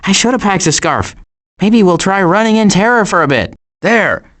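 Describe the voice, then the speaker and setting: A man voices a cautious, anxious adult male turtle in an animated video game, sounding fretful and wry with deadpan sarcasm and stammers. His voice is high and his pace normal.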